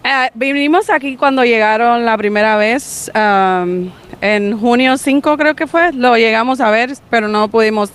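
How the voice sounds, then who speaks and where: A fan from Rico, chatting quickly and casually in a street interview. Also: medium pitch, a bit bright, clear, resonant tone. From Puerto Rico. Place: outdoors by a hotel, street traffic.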